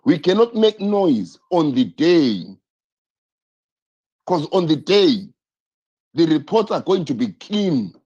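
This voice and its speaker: A man hosting a political live stream, his husky voice riding fairly high and swinging widely in pitch. He talks with urgent passion, circles back over his points and throws out rhetorical questions. The sound is dull and lo-fi. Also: sing-song, slow pace, pauses often, a little mellow. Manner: impassioned, repetitive, rhetorical questions.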